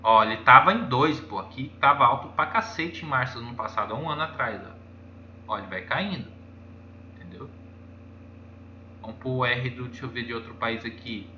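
Brisk and brightly pushed, this mid-range male voice has lively intonation broken by long pauses. He's a Brazilian YouTuber doing casual screen-share commentary, rambling through on-screen charts and repeatedly highlighting details. The audio is dull and lo-fi, with room echo and a faint background noise.

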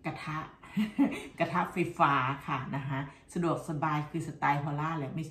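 A woman's voice: low voice, steady tone, a little slow, fairly bright tone, reverberant. A middle-aged woman from Thailand, chatting and laughing while cooking breakfast at home for her vlog. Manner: chatty and laughing, constant polite tag words. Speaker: cooking vlogger. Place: home kitchen, indoors.

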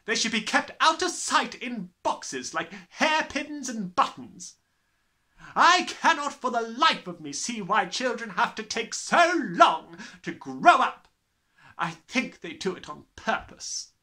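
A man's voice: very high-pitched, very animated, slow pace, bright, forceful tone, voice pushed up, full character voice. A man voicing a huge, bullying, furious headmistress from a storybook, barking and bellowing with contempt. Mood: scornful, snapping. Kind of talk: storybook character reading.

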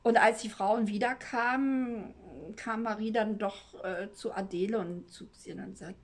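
A woman's voice: mid-range voice, fairly even intonation, unhurried. Woman storyteller, casual, rambling, lots of fillers and restarts, chatty asides, knitting host.

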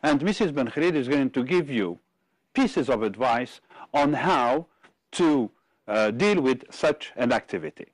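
Male teacher, deliberate word-by-word delivery, animated intonation, dry booth. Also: mid-range voice, no echo. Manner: measured, reads word lists distinctly. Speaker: English teacher. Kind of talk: slow clear classroom instruction.

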